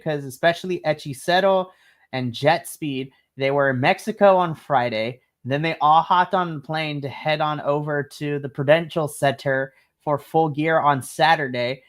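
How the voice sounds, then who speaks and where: A woman co-hosting a casual wrestling recap, chatty and enthusiastic, often breaking into giggles. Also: low voice. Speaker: podcast co-host.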